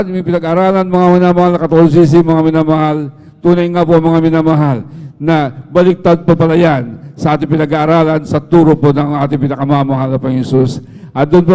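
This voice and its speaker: Fast-talking Filipino man giving church testimony. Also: fairly high pitch, mellow, smooth, long reverb tail. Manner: addresses listeners constantly as "beloved" between phrases. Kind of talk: spoken testimony at a prayer service.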